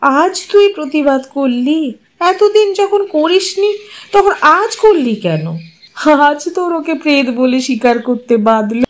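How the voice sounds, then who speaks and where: A woman's voice: high voice, animated, slow pace, pitched above the performer's own voice. A woman voicing a middle-aged widowed mother who speaks with bitter reproach. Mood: reproachful. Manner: reproachful, emotional.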